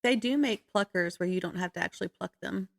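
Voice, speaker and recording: A woman's voice: mid-range voice, fast, creaky, dry recording. A woman talking casually and conversationally as a podcast co-host. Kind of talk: casual chat.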